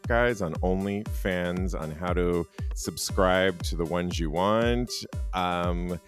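A man's voice: deep voice, takes it slowly, faint music behind. A man hosting a podcast in a casual, chatty style. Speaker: podcast host.

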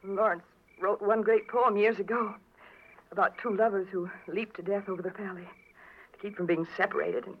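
A woman's voice: mid-range voice, fairly even intonation, normal speed, close to an everyday voice. An actress playing a frightened, distraught young woman in a 1940s-style radio drama, speaking with breathless, hesitant emotion. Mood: shaken, subdued. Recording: dull, faintly noisy old radio recording.

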